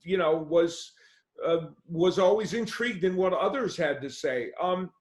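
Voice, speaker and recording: A man hosts a conversational interview, his voice sitting notably high for a man. He loops back and rephrases his questions as he talks. The room around him adds a clear echo. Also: a little slow. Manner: rambling, restarts questions often. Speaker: interviewer and host. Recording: roomy echo.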